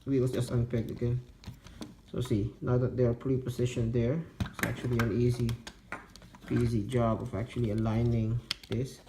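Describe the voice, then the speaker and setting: A man slowly talking through a toy transformation step by step, muttering to himself as he works. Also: mid-range voice, flat delivery. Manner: slow, step-by-step instructional talk, muttering to himself. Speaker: toy reviewer. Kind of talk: hands-on toy transformation demo. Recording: echoey room with background noise.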